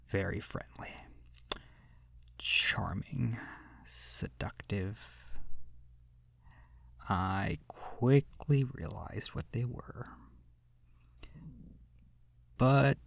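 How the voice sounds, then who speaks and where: Slow, creaky, seductive vampire played by a man. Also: lowish voice, no room sound, full character voice. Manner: slow, hushed, lingering pauses, breathy whispering. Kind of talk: ASMR horror roleplay monologue. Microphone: close microphone.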